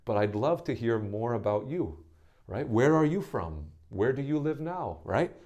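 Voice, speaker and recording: A man's voice: mid-range voice, animated, unhurried, darkish tone, highs cut off. An American man in his thirties, an English teacher introducing himself to his students in an easygoing way, often checking in with "right?". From USA. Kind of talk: friendly self-introduction lesson to camera.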